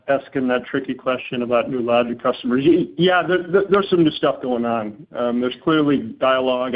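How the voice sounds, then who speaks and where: A man speaking as a company executive on an earnings call, answering questions informally and often repeating words as he goes. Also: medium pitch. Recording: narrow phone-like conference line.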